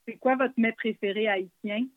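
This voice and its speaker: A woman interviewer who asks slow, gentle, encouraging questions. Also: fairly high pitch, fairly even intonation, no room sound. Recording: dry phone-line audio.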